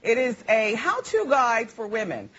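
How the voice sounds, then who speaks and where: A woman hosting a TV talk show, speaking in a measured, hesitant way with frequent fillers. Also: on the high side, very animated, a bit bright, breathy edge. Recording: dull lo-fi TV sound with faint hiss.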